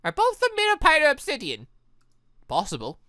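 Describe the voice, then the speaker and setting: A man's voice: extremely high pitch, wildly swooping pitch, a little fast, pushed and bright, dry recording, clean studio sound. A man giving rambling commentary on a visual novel game, exclaiming and breaking off mid-sentence. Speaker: gaming channel host, let's player.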